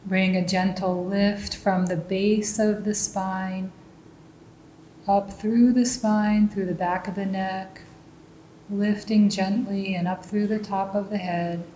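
A woman leading a guided meditation as a teacher, giving calm, gentle instructions. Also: slow pace. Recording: roomy echo, faint low rumbling noise.

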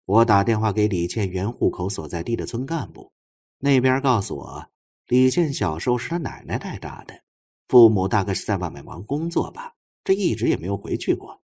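A man's voice: fairly low pitch, mellow, slightly rough. A man voicing an earnest, knowledgeable female investigator in an audiobook, explaining things with emphatic care.

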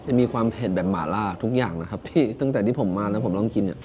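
A Thai man talking casually to camera in a travel vlog, chatty and quick to exclaim and laugh, filmed in a small noodle shop and on a road through the mountains. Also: on the low side, warm tone, highs cut off, slight background noise. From Thailand. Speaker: travel vlogger.

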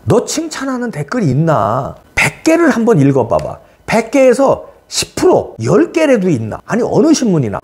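A man's voice: creaky, breathy edge. A middle-aged man, a political commentator, ranting angrily and scornfully, scolding and mocking with sudden drops and jumps in his voice. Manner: scolding, mocking, shouts insults and swings wildly up and down in pitch. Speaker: political commentator, channel host. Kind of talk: angry political rant to camera.

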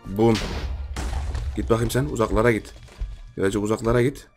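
A man's voice: on the low side, fairly even intonation, normal speed, a little mellow, soft background music. A young man with a Turkish accent giving playful, teasing live commentary over his own gameplay, often repeating his phrases. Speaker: gaming YouTuber.

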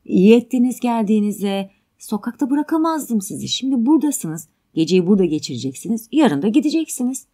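A woman voicing a calm, middle-aged man at home who explains things in a measured, mildly sardonic way. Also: on the high side. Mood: reasoning, calm.

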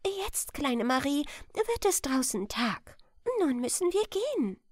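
A woman's voice: high-pitched, big pitch swings, slow pace, no echo, studio quality, voice pushed up, exaggerated voice. A woman voicing a caring little white mouse guide in an earnest fairy-tale manner. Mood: reassuring.

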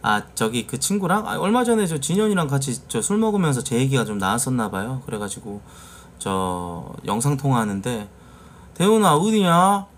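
A male streamer from the Jeolla region chatting casually with his viewers. His pitch rises and falls a great deal as he tells stories and acts out what people said. A faint hiss sits under his voice. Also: brisk. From Jeolla, South Korea. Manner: animated storyteller acting out quoted lines. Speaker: live streamer.

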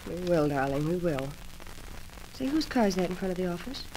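An actress playing an earnest, polite young heroine in an old-time radio soap opera. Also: female voice, on the low side, big pitch swings, normal speed, warm tone. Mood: earnest, concerned. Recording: noisy old radio recording.

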